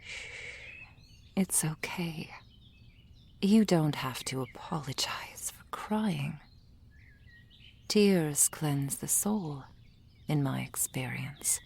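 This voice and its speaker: A woman voicing a gentle female soul healer in an ASMR roleplay, whispering softly and soothingly into a close microphone. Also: sits low, lively intonation, slight background noise, heavily acted. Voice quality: breathy whisper. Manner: soft whispering, slow and soothing. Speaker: ASMR performer.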